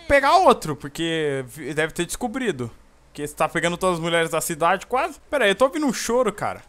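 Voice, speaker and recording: A man's voice: fairly high pitch, big pitch swings, fairly quick, fairly bright tone. A young Brazilian man with a Brazilian Portuguese accent, giving casual, jokey gameplay commentary and talking to the game characters. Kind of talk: casual let's play commentary.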